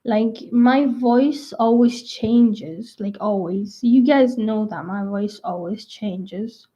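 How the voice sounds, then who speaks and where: A young adult woman rambling casually to her viewers, full of "like" and restarts, her voice croaky at times. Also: fairly high pitch, takes it slowly, mellow. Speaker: vlogger. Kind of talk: rambling casual chat to camera. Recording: dull lo-fi sound.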